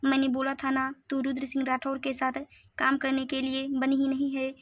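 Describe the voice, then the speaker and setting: A woman's voice: high-pitched, monotone, normal speed, no echo, clean studio sound, lightly acted. A woman reading a teasing young friend. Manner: teasing, blunt.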